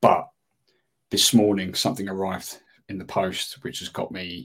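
His pitch sits very deep and low as he speaks at a moderate pace. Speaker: football podcast host, West Ham fan. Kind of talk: casual chat, interview.

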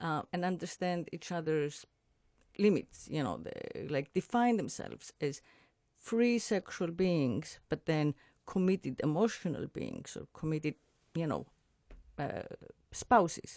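In a Greek accent, a woman speaks fairly slowly at a fairly low pitch, her tone dark and mellow and her intonation lively, with long, frequent pauses, all on a very clean recording with a silent background and a dry, close sound with no echo. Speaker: podcast host, sex writer. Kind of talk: casual conversation.

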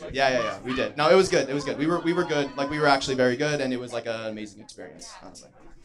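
With an American accent, a man rushes along at a very fast pace with hardly any pauses, ordinary pitch variation and big swings in loudness, over noticeable background noise. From Lancaster, Pennsylvania. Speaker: blind date contestant. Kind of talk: casual chat on stage. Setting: live stage with audience.

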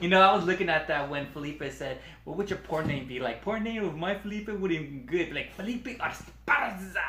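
With hardly any pauses, a man talks at a fairly quick pace in a high pitch, his intonation lively over noticeable background noise. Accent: American. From Los Angeles area, California. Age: 30s. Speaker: podcast fan and grocery store worker. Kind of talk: casual chat.

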